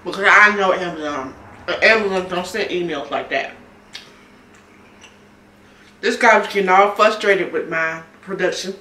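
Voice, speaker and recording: A woman's voice: on the low side, moderate pace, pauses often, sharp tone, echoey room, slight background noise. A woman, chatting casually on her eating vlog and telling a story with frequent laughs. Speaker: mukbang vlogger. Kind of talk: casual chat while eating.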